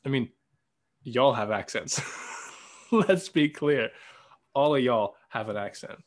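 A man's voice: medium pitch, animated, slow pace. A man from Canada with a mild Canadian accent, co-hosting a podcast in playful, rambling, teasing banter. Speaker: podcast co-host. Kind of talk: casual banter.

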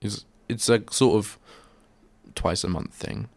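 Male host, deep and congested with a cold, rambling chat in a dry little studio. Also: takes it slowly, creaky, no room sound. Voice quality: bunged-up, nasal. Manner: rambling, chatty, self-deprecating. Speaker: radio host. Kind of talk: casual solo radio chat. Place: small radio studio. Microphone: studio microphone.

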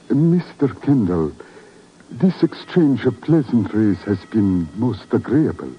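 An actor playing a shrewd old Arab leader in a 1950s radio drama, formal, ceremonious and deliberate. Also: male voice, on the low side, big pitch swings, highs cut off, slight background noise. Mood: courteous, probing. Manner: ceremonious, deliberate, speaks of himself in third person.

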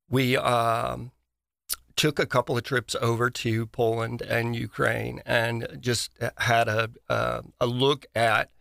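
Flat-toned man with a creaky voice. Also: medium pitch, dry recording, studio quality. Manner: halting, hesitant. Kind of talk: conversational interview introduction.

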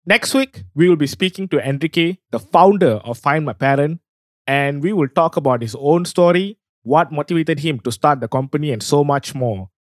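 A man hosting a podcast, reading a scripted outro in an earnest, steady way. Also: fairly high pitch, normal speed, dry recording, studio quality. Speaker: podcast host.

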